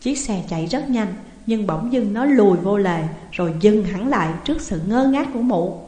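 A woman reading a ghost story aloud with steady, dramatic pacing. Her mid-pitched voice echoes in a roomy space with a long reverb tail. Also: moderate pace. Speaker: narrator.

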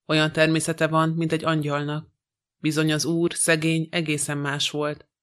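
A man reading the part of a talkative young French housemaid in an audiobook, in a flat, even delivery. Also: on the high side, smooth, lightly acted. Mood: gossiping.

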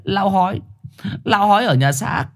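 A man's voice: high voice, lively intonation, normal speed, pitched above the performer's own voice. A man voicing a timid young male stray dog who pleads and stammers. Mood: pleading.

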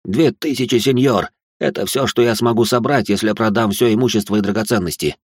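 A man's voice: on the low side, fairly quick, darkish tone, no room sound, clean studio sound. A man voicing a frightened, pleading older male jeweler who begs and wails. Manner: begging, wailing.

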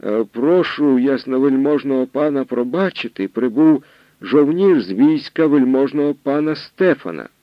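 A man's voice: medium pitch, expressive, normal speed, dry recording, lo-fi sound, voice pushed up, close to an everyday voice. A man voicing a timid, hesitant male guard who reports nervously, in an audiobook reading. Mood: anxious.

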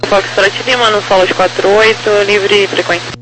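A man's voice: high-pitched, fairly even intonation, normal speed. A man with a Brazilian accent giving procedural air traffic control instructions over aviation radio. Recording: noisy humming radio transmission.

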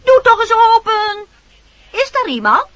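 A woman's voice: very high voice, sing-song, unhurried, full character voice. An actress in a Dutch radio play voicing a scheming peddler woman who coaxes and wheedles insistently. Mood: wheedling. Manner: wheedling, insistent sales patter. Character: disguised scheming peddler woman, coaxing and sly. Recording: dull noisy old radio recording.

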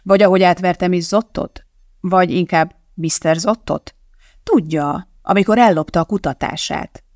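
A cool, cutting official, as the narrator does him delivers his accusations curtly and pointedly. The reading is dry and close, with a gravelly grain. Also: medium pitch, darkish tone, no room sound, close to an everyday voice.

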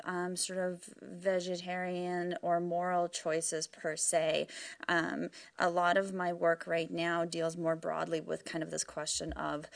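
A woman's voice: lowish voice, vocal fry, a bit bright, dry recording. A woman researcher giving conversational, explanatory interview answers, informal and peppered with "you know" and "right".

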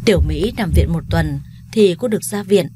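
A woman's voice: fairly low pitch, normal speed, noisy background. Somber woman narrating a sad story.

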